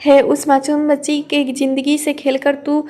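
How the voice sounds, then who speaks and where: A woman's voice: sits high, completely flat delivery, moderate pace, warm tone, close to an everyday voice. Furious protective brother, voiced by a woman narrator, scornful and scolding, storybook. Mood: angry. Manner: contemptuous and scolding. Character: angry protective brother, man.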